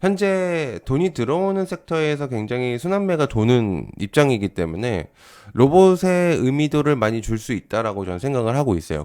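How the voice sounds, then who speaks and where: Brief: man in the middle pitch range, lively intonation, chatty market-tips host who hedges with fillers. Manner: conversational, frequent fillers and rhetorical checks. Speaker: stock market commentator. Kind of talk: casual market commentary.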